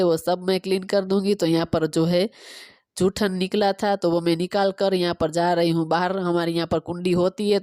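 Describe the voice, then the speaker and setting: A woman in her thirties from Gujarat, native Gujarati speaker, chatting quickly through a home cooking and cleaning vlog on a phone camera. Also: lowish voice, dark tone, no room sound, clean studio sound. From Gujarat, India. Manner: fast-talking, chatty step-by-step explaining. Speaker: vlogger.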